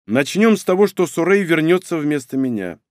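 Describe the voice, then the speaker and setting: A man reading aloud does a cocky young hero with a blunt, sardonic edge. The voice jumps up and down lively and sits close in a dry, dead room. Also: on the high side, moderate pace, no echo, pitched above the performer's own voice. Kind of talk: audiobook reading.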